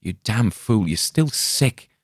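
Brief: blunt, deep-voiced male friend, dry close sound, read by a man. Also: animated, takes it slowly, husky, no room sound, exaggerated voice. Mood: scolding. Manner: blunt, scolding.

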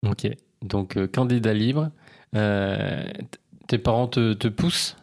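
A man hosting a business podcast, asking questions in a halting way with many restarts and fillers. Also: on the low side, darkish tone. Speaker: podcast host, interviewer. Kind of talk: casual interview.

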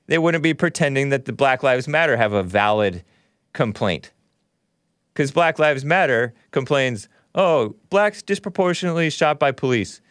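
A man's voice: medium pitch, smooth, dry recording, clean studio sound. Casual man hosting a call-in show. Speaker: talk show host. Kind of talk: casual call-in commentary and caller chat.

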